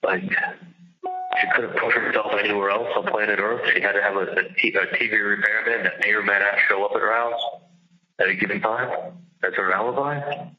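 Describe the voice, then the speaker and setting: A man's voice: fairly low pitch, fairly even intonation, moderate pace, a little hiss or hum. A man venting casually and profanely on a phone call, agitated and emphatic, often repeating himself. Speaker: jailed caller on a recorded phone call. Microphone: telephone. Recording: dull lo-fi recorded jail phone call.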